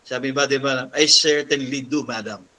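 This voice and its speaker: A man's voice: mid-range voice, fairly even intonation, moderate pace, bright, forceful tone. A man preaching a sermon, who quotes English passages and keeps asking his listeners "di ba?". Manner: mixes Tagalog with English quotes, asks "di ba?" often. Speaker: pastor.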